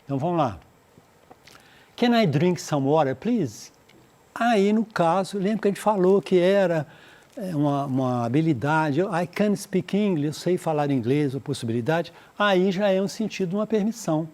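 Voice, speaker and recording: A man with a Brazilian accent teaching an English lesson for exam prep. He slows down to model English phrases, then translates and explains them, checking in with "né?" and "tá?". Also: fairly high pitch, expressive, a little mellow. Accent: Brazilian Portuguese. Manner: explanatory, repeats points with "né?" and "tá?".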